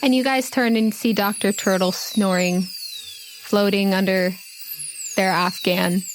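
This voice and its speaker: A woman acting as game master, describing the scene of a tabletop game in short, measured phrases with pauses. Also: medium pitch, fairly even intonation, rough recording. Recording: music playing under the voice.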